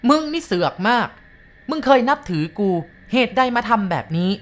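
A woman's voice: on the high side, very animated, extremely slow, fairly bright tone, pitched above the performer's own voice, full character voice. A woman voicing a bitter, possessed old man who sneers and speaks rudely in a spoken ghost story. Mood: angry. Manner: gruff, sneering, rude speech.

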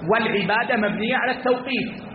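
High-voiced man teaching in an echoey hall. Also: fast talker, a little hiss or hum. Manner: repeats key phrases for emphasis; addresses listeners as brothers. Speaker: Islamic scholar teaching a class. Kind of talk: explanatory religious lesson. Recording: echoey hall over tinny lo-fi line.

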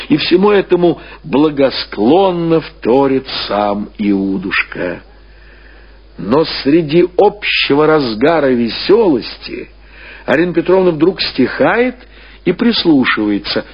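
A man reading classic prose as a narrator, with theatrical, deliberate and expressive storytelling. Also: fairly high pitch, slightly rough. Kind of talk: expressive scripted literary narration. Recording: dull, lo-fi old radio recording.

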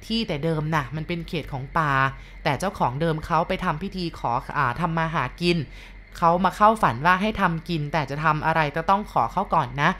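A woman's voice: low-pitched, brisk, a little hiss or hum. A woman narrating a ghost story in a polite, conversational storytelling manner. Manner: polite and conversational, with soft sentence endings.

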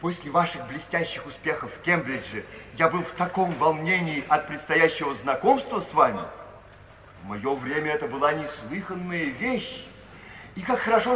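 An actor playing a gentle, flustered middle-aged artist in a 1950s radio play, hesitant and effusively polite. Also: male voice, on the high side, slight background noise. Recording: distant, echoey hall, old 1950s radio recording.

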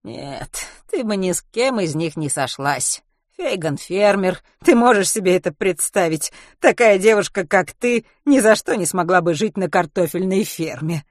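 A woman's voice: fairly low pitch, animated, moderate pace, dry recording, clean studio sound, pitched above the performer's own voice, natural voice. A woman reading an audiobook and voicing a fretful, tearful middle-aged mother who laments emphatically about her sons.

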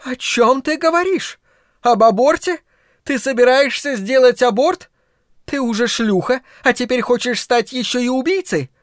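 A man's voice: very high voice, moderate pace, no room sound, clean studio sound, voice pushed up. A man voicing a furious, cruel middle-aged mother who shrieks and sneers with biting sarcasm, in an audiobook reading. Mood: screaming rage. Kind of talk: audiobook character voice.

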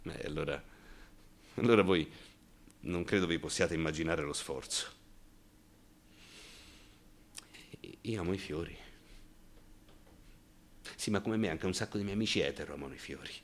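An actor playing a bitter, wounded gay man in a colloquial, impassioned radio monologue, halting, repeating words and asking sarcastic rhetorical questions. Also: sits low, slight background noise. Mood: wry, confiding. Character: bitter, wounded gay man denouncing macho military cruelty.

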